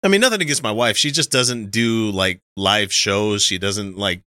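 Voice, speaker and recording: A man's voice: fairly low pitch, moderate pace, sharp tone, smooth, dry recording. A middle-aged man with an American accent co-hosting a podcast, rambling casually and swearing now and then. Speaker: podcast co-host. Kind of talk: casual chat.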